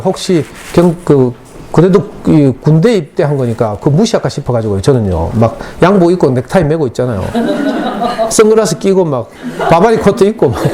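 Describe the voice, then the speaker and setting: A middle-aged man with a Gyeongsang Korean accent, a parenting lecturer telling an emotional story to parents at a school talk. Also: on the high side. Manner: emotional storytelling, dialect speech.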